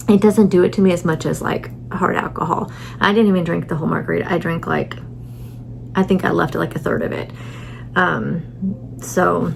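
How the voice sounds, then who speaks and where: A woman's voice: on the low side, gravelly, a little hiss or hum, low-quality recording. A middle-aged woman chatting casually in a vlog from a hotel room, rambling with many fillers, tired and a little stuffy. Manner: rambling, lots of fillers and restarts. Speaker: vlogger.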